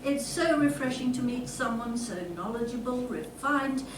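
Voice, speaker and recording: A woman's voice: fairly high pitch, normal speed, lightly acted. A woman playing an over-courteous, smarmy game show host in a comedy sketch. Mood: gushing. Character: polite, smarmy game show host of an antiques panto spoof. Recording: echoey room, distant mic, clear noise.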